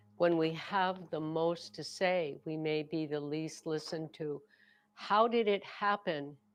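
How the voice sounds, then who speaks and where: Against a quiet background, a woman talks at a very slow pace in a fairly low pitch with ordinary pitch variation. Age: 70s. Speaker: artist and author. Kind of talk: live art stream talk. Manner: halting.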